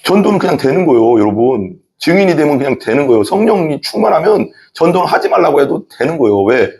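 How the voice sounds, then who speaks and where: A man's voice: fairly high pitch, sing-song, quick pace, darkish tone. A male pastor preaching a sermon in a church, telling stories in an earnest, conversational way with emphatic repetition.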